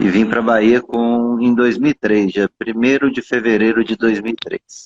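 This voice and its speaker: A man with a Minas Gerais accent speaks at a fairly slow pace in a monotone with flat intonation. His pitch is medium, and the sound is dry and close with no echo. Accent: Minas Gerais accent, still kept. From Brazil, Minas Gerais. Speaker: neurologist. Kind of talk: interview.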